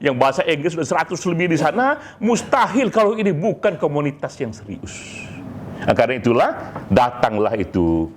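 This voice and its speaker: A man giving an informal, emphatic monologue to a community, with deliberate pauses and small tag words. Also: a little high, sing-song, slight background noise. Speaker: speaker, leader of a poetry community.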